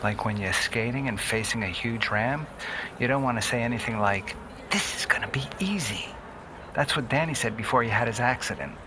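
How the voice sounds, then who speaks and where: An actor playing a street-wise young hacker and skeptical friend in an audio drama, wry, slangy and needling. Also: male voice, medium pitch, a little fast, background noise, lightly acted. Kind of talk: acted audio drama dialogue.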